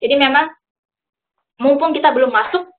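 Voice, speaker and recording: A young woman with a high voice gives a religious talk in a loose, storytelling way. She fills her speech with hesitations and slips in English phrases now and then. The sound is thin and tinny, as if it came over a phone line. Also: moderate pace. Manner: chatty, personal storytelling with many fillers. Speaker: speaker.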